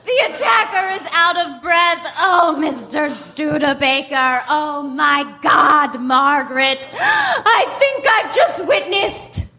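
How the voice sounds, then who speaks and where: A woman playing a melodramatic, naive housewife in a comedic mock radio play, with halting, gasping delivery. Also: high voice, expressive, pushed and bright, heavily acted. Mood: mounting horror. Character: breathless, scandalized, naive housewife witnessing through a window. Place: small comedy theater stage. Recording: echoey noisy live theater recording.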